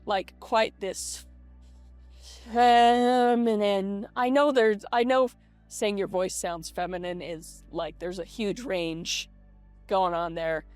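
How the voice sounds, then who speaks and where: A woman talking casually and haltingly in a personal vlog, reflecting as she goes, her voice processed by a voice changer to sound more feminine. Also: fairly low pitch, dry recording. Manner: hesitant, halting, self-reflective. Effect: voice changer making the voice feminine. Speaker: vlogger. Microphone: webcam setup. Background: lo-fi video game music.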